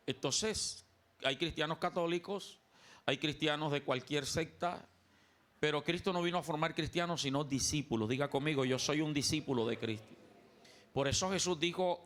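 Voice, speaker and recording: A man's voice: on the high side, a bit bright. A man from Colombia preaching a sermon as pastor in a church, emphatic and calling on the congregation to repeat after him. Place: church sanctuary.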